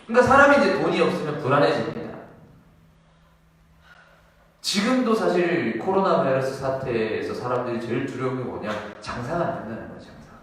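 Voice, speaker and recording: A man's voice: medium pitch, fairly bright tone. A male pastor preaching a sermon in a church, animatedly asking and answering his own questions. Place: church sanctuary. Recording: echoey hall, mic far off.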